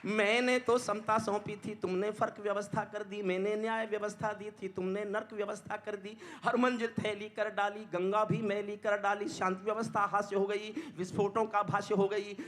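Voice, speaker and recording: A man with a high, sharply bright voice recites poetry on stage. His delivery is declamatory, sinking to hushed lines before climbing to loud, impassioned peaks. Between stanzas he turns to the crowd and asks for their applause. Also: level tone, moderate pace, hardly any pauses. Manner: asks the audience directly for applause. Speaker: poet.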